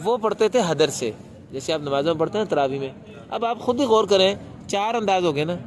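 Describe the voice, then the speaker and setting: A man's voice: sits high, slight background noise. A man teaching a class on the rules of Quran recitation, asking his students questions and answering them himself. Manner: briefly chants a recitation demonstration.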